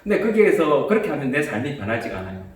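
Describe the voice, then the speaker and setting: A man, a priest, calmly explaining a bible commentary and how to meditate with it, with small restarts. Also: on the high side, very fast, heavy reverb, recorded from a distance.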